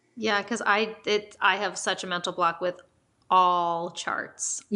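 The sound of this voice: A woman with an American accent speaks at a fairly slow pace in a monotone, flat intonation, her tone bright and sharp on a very clean recording with a silent background. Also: medium pitch for a woman.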